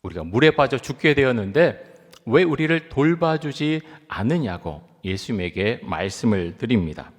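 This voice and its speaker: A middle-aged male pastor preaches in a measured voice of ordinary pitch. He reads scripture slowly and deliberately and keeps turning to his listeners with questions. His voice carries a long reverb from a large church sanctuary. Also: big pitch swings. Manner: poses rhetorical questions to the congregation. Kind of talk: sermon.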